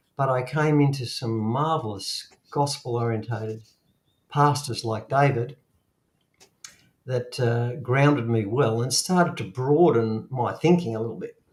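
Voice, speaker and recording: Somewhat breathy, a man with an Australian accent speaks at a fairly slow pace with ordinary pitch variation. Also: medium pitch for a man. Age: 60s. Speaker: church member sharing experience. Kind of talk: panel discussion testimony. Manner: hesitant, many fillers.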